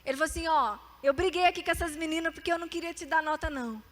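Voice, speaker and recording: A young woman with a high, light voice preaches to a youth group. She tells her own story and keeps calling the crowd to answer amen and repeat lines after her. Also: rapid-fire. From Brazil. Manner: animated, calls for amens and repeat-after-me. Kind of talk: sermon with testimony.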